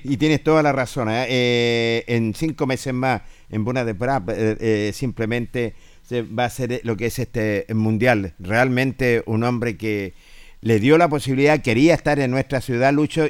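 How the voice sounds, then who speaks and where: A man with a Chilean accent co-hosting a casual sports radio show, speaking haltingly and repeating himself. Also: medium pitch, smooth, dry recording.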